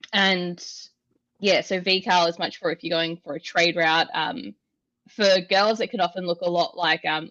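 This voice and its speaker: A young woman with an Australian accent talks at a relaxed pace, dotting her explanations with "um". Her voice sits on the low side. The audio is dry and slightly dull, with the muffled sound of a basic mic. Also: no room sound. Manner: relaxed, explanatory, frequent "um" pauses. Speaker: guest, industrial automation engineer. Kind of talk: casual interview answers.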